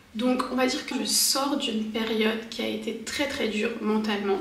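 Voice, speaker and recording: With fairly even intonation, a woman speaks amid noticeable background noise and audible room echo. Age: 20s. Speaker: lifestyle vlogger. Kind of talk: personal vlog monologue. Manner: casual, conversational.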